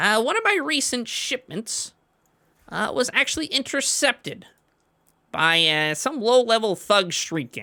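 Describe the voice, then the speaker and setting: Putting on a character voice, a man goes extremely high in pitch with very wide pitch swings. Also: moderate pace. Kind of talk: tabletop game master character voice. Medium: actual play. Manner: rambling, hesitant with many filler sounds.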